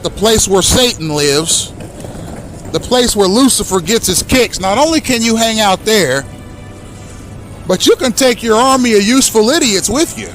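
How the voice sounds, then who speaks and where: A man in his thirties, a native English speaker, hosting an impassioned direct-address monologue with accusatory, emphatic speech and slow deliberate stresses. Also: high-pitched, fairly bright tone, low-quality recording. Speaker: host.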